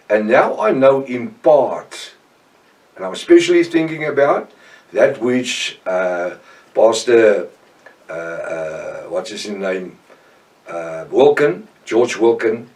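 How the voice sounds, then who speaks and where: An older South African man with an Afrikaans accent, giving an informal, earnest Bible teaching with frequent pauses and restarts. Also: medium pitch, darkish tone, distant mic. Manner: earnest, halting, with many restarts. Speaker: professor and preacher.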